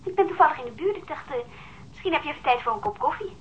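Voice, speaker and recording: An actress playing an affectionate young adult daughter through a telephone filter in a radio drama. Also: female voice, high-pitched, expressive, very fast, muffled recording. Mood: affectionate, coaxing. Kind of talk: naturalistic radio drama acting. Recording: band-limited telephone sound, background noise.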